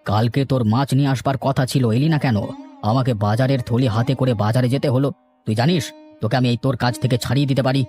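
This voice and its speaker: Gruff village master played by a man, music behind. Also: mid-range voice, steady tone, fast talker, darkish tone, lightly acted. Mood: scolding. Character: gruff, scolding but fair village master. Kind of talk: animated cartoon story acting. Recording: music bed under the voice.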